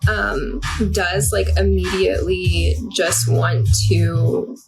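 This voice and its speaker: A woman's voice: on the low side, flat delivery, slow pace, gravelly. A woman rambling hesitantly in a casual clip to camera. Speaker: social media creator. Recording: loud music under the voice.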